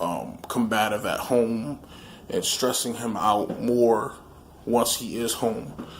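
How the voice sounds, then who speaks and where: Audible room echo surrounds a man speaking at a very slow pace. His medium pitch shows ordinary variation. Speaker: vlogger. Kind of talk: personal commentary vlog.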